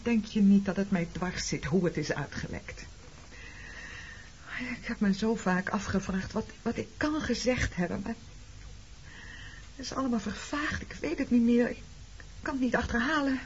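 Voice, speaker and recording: An actress playing a defensive, grieving woman in a Dutch radio drama, speaking in a halting, emotional, pleading way. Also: a little high, a little hiss or hum, natural voice. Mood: sorrowful, searching. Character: defensive grieving woman, shunned for loving an enemy officer. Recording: dull lo-fi radio play recording.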